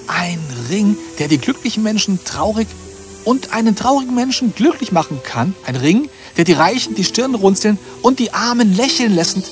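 An actor playing a loyal, earnest man in an animated fairy tale, speaking emphatically. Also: mid-range voice. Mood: realizing, thoughtful. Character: loyal, earnest bearded man, a king's devoted friend.

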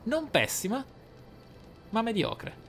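A man commentating his game playthrough, thinking aloud in a deliberate, theatrical way with dramatic pauses. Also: very high voice, wildly swooping pitch. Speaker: gaming YouTuber, player. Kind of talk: game playthrough commentary with role-play musing. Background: game music.

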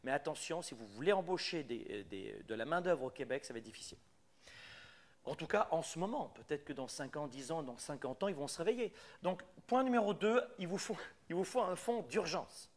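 A man's voice: on the high side, lively intonation, a little fast. A middle-aged man with a French accent, giving a live business coaching talk and hammering his key points home with repetition. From France. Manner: emphatic, repeats key points. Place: Quebec.

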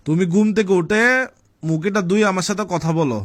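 An actor playing a pushy young boyfriend who nags and teases insistently in a comedic phone-call sketch. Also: male voice, mid-range voice, fast, natural voice. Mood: nagging. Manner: insistent, needling, teasing.

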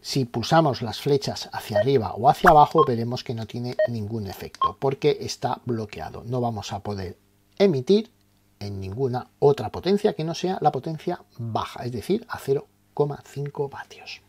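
Speaking at normal speed in an expressive, darkish voice of medium pitch with a breathy edge, a man presents step-by-step instructions. He teaches methodically, explaining terms and answering the questions he poses.

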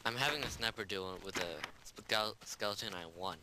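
A man's voice: fairly low pitch, moderate pace, background noise. A man playing a game alongside a friend, joking and teasing in casual chat. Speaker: co-player.

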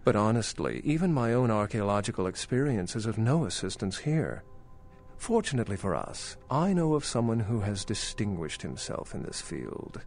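Urbane, animated vampire scholar. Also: male voice, fairly low pitch, normal speed, vocal fry, slight background noise. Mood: dry, measured. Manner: articulate, wry, formal. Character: urbane, scholarly male vampire archaeologist, dry and knowing. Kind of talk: video game dialogue acting.

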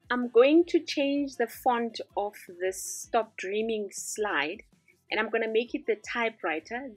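A woman with a somewhat high, breathy voice talks through a design tutorial step by step. Her delivery is upbeat and instructive. The voice-over sounds dry and close, with soft music faintly behind it. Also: dry recording, low-quality recording. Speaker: tutorial host. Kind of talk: screen-recorded design tutorial.

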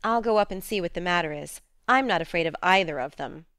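Storybook heroine: female reader as a bold, sensible teenage girl, soothing and frank, clean smooth tone. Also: fairly low pitch, lively intonation, fast, fairly bright tone, dry recording. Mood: brisk, bold. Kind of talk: storybook character dialogue.

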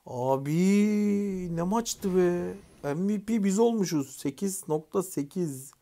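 A man voicing his own mobile game match, talking loosely to himself and his team. He drifts between muttered thinking and loud, excited calls for the team to attack. The sound is close and casual, like a streamer at his desk. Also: high-pitched, takes it slowly. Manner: excited shouting at teammates; chatty, swears casually. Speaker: gaming YouTuber. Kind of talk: live gameplay commentary.

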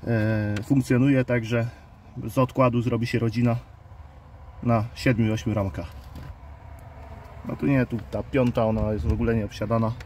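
Unhurried man talking over buzzing hives. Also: medium pitch, a little mellow, slight background noise. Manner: unhurried, thinking aloud with fillers. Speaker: beekeeper and channel host. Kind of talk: casual hands-on explainer vlog. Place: outdoors at beehives. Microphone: handheld phone camera. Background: faint outdoor ambience with buzzing bees.

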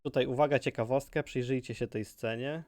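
A man's voice: mid-range voice, steady tone, fairly quick, heavy background noise. A man making casual, off-the-cuff commentary as a gaming video creator.

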